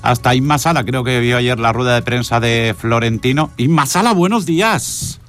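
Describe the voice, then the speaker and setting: A radio host with an accent from Spain, commenting on the news informally in a halting, wry way with pauses for emphasis. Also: male voice, mid-range voice, fairly bright tone, soft background music. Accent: Spanish from Spain.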